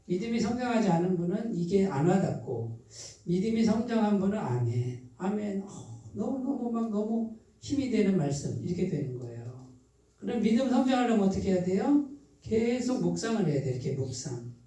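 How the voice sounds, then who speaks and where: A pastor with a Chungcheong accent gives a midweek sermon. The pastor keeps putting questions to the congregation, answers them, and repeats key phrases slowly and softly for emphasis. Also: mid-range voice, big pitch swings. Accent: Chungcheong Korean. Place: church sanctuary. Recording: very echoey hall, voice from a distance.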